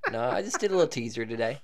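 A man's voice: mid-range voice, no room sound. A young man co-hosting a casual podcast, laid-back and wisecracking. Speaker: podcast co-host.

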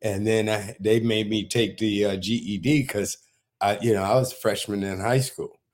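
A man's voice: on the low side, fairly even intonation, normal speed. An older man, a military veteran, telling stories as a podcast guest in a rambling way, full of fillers. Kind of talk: casual podcast interview.

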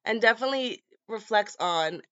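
A woman's voice: fairly high pitch, expressive, moderate pace, a bit bright, dry recording, highs cut off. A woman hosting a casual horror movie podcast, her voice congested and nasal with a stuffed nose and sore throat. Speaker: podcast host.

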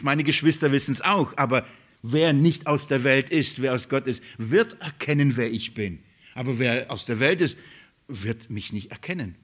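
A man's voice: medium pitch, husky. A man preaching a sermon, emphatic and direct, asking rhetorical questions and calling his listeners beloved. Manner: emphatic, rhetorical questions, swings between loud stresses and quiet drops. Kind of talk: sermon on a Bible letter.

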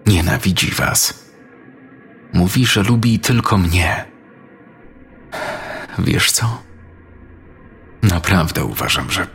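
A man's voice: low-pitched, fairly bright tone, slightly rough, full character voice. A man voicing an uneasy young mother.

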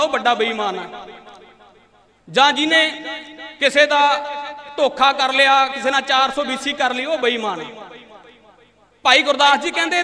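A man preaching a Sikh sermon in a very high, bright and sharp voice. He tells his story with emphasis and shifts between loud and soft passages. The sound carries a long reverb, as in a large hall. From India.

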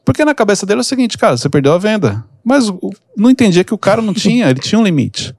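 A man's voice: sits high, very animated, rapid-fire, a little mellow, dry recording, studio quality. A man hosting a podcast, explaining emotional triggers through casual stories and acting out the people in them. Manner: storytelling, acts out quoted people. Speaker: podcast host and mentor. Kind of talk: casual teaching chat.

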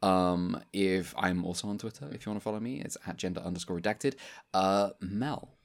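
A man's voice: low-pitched, moderate pace, gravelly. A man co-hosting a podcast in casual chat, wrapping up in a loose, meandering way. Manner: loose, meandering sign-off delivery. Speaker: podcast co-host.

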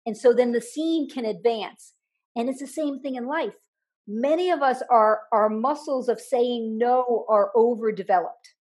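An animated woman guest recounts stories in an interview, her voice sitting a little higher than most. She laughs now and then as she talks and often repeats a word while gathering her thoughts. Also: a little slow. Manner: repeats words when thinking aloud. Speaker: author and guest. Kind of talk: storytelling interview talk.

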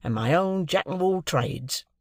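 A man voicing a cheerful, proud middle-aged male clerk, talking brisk and earnest in a raised voice. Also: a little high, animated, dry recording, studio quality, voice pushed up.

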